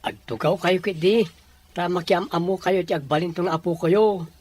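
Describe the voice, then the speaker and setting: A performer playing a young man, a devoted but resentful grandson, in a Filipino audio drama, with a husky voice and a Filipino accent. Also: sits high, fairly even intonation, moderate pace, a little hiss or hum, lightly acted. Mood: easygoing. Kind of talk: Ilocano audio drama acting.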